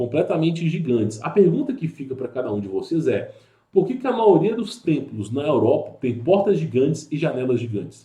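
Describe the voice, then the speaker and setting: A man talks at a moderate pace in a fairly high pitch with vocal fry. His tone is dark and mellow, and his pitch swings very widely. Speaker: YouTuber presenting conspiracy and mystery topics. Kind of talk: casual explanatory monologue with screen sharing. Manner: conversational, filler-heavy.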